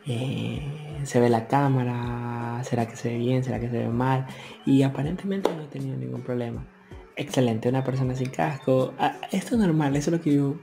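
A man's voice: medium pitch, creaky, dark tone. A young man giving a wry, casual voice-over full of local slang. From Ecuador. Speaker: motovlogger. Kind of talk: relaxed voice-over narration. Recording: voice-over with faint music behind.

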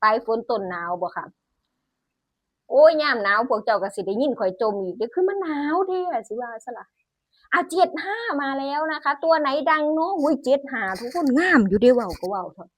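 A woman's voice: a little high, big pitch swings, brisk, no room sound, low-quality recording. A woman with a northeastern Thai Isan accent hosting a casual lottery numbers channel from home, chatty and exclamatory, often laughing. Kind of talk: casual chat while reading incense numbers. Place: home, indoors.

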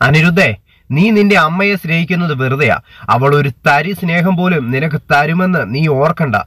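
A man's voice: fairly high pitch, moderate pace, fairly bright tone. A man voicing a scheming, manipulative middle-aged aunt in a retold story, taunting and insistent.

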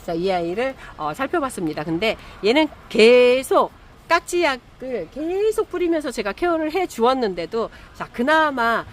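A middle-aged woman chatting casually while repotting succulents, animated and full of fillers. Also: a little high, moderate pace, slight background noise. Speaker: succulent grower and seller. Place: outdoor or greenhouse setup, rain in afternoon.

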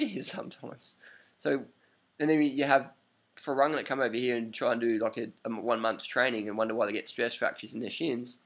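With a mid-range, creaky, slightly bright voice, a thirties-aged man rambles casually through a viewer's question on his webcam vlog, restating points for emphasis. It's night in a curtained room, recorded close on a laptop webcam.

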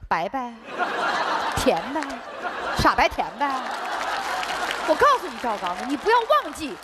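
A woman's voice: high-pitched, wildly swooping pitch, a little slow, a loud crowd, very noisy, exaggerated voice. An actress playing a quarrelsome, gossipy female neighbor who complains in a stage comedy sketch. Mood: bickering. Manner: bickering, complaining. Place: television gala stage. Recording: stage show with loud audience.

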